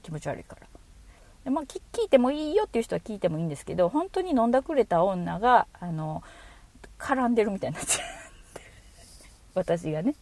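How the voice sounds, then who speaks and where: A woman with a Kansai accent hosting a casual solo podcast, chatty, giggling often and trailing off into soft asides. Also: medium pitch, very animated, a little fast, long pauses. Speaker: podcast host.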